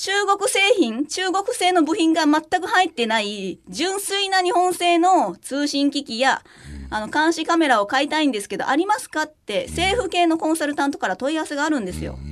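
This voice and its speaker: Amid noticeable background noise, a woman with a high pitch speaks at a moderate pace with very wide pitch swings. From Osaka, Japan. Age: 40s. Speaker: economic commentator. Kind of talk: radio interview. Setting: studio.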